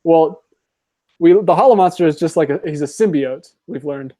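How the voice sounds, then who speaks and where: A man with a slightly high but warm, mellow voice chats in a relaxed, wry way and laughs easily. The sound is dry and close, with no room echo. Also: normal speed. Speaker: podcast co-host. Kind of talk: casual commentary chat.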